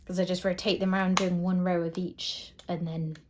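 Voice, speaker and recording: A middle-aged British woman, lowish-voiced and flat in delivery, chats casually at a moderate pace while hosting a home craft video. She rambles and chuckles frequently, with background noise present.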